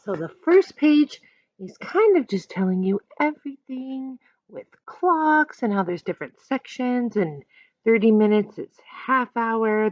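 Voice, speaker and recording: Female elementary teacher, animated read-aloud with plain asides to children. Very varied pitch, unhurried delivery. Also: dry recording, lo-fi sound. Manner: explains simply, addressing young listeners directly.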